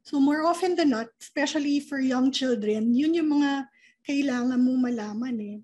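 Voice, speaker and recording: A woman speaking as an early childhood education expert, calmly explaining with rhetorical questions and mixing Tagalog and English. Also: sits high, moderate pace, low-quality recording. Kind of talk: explanatory interview talk.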